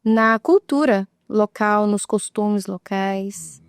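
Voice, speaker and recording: A woman's voice: medium pitch, takes it slowly, clear, resonant tone, no echo, clean studio sound. A woman with a Brazilian Portuguese accent, a guest on a talk show, patiently explaining and often checking in with tag questions. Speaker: guest, sign language expert.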